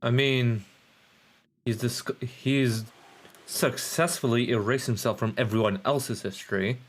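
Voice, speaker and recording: A man giving casual live commentary as a game streamer, musing and thinking out loud as he goes. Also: medium pitch, a little slow, a little hiss or hum.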